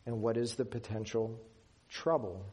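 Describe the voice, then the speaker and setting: A man's voice: medium pitch, steady tone, a little mellow, husky. A man from Western Pennsylvania preaching a sermon in an earnest, emphatic way. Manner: earnest, emphatic preaching with slow deliberate pauses. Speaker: pastor.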